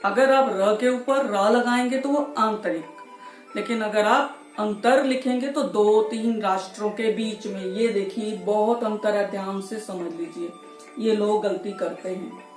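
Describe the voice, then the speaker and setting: A middle-aged woman teaching Hindi spelling and pronunciation, explaining word pairs slowly and deliberately. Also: medium pitch, reverberant, faint music behind. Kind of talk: spoken grammar tutorial.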